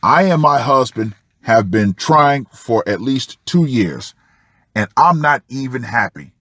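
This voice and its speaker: Male commentator, unhurried and dramatic, reading a written story with pauses; close, dry sound. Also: medium pitch, expressive, fairly bright tone, no echo. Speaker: host of a commentary channel. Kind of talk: reading a personal post aloud with asides.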